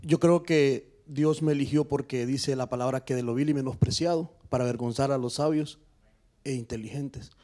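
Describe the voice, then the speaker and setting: A man's voice: mid-range voice, steady tone, normal speed, warm tone. A man from the congregation answering the pastor with a fluent, earnest testimony full of scriptural phrasing. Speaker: church member answering the pastor. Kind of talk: spontaneous testimony in a church. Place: church service.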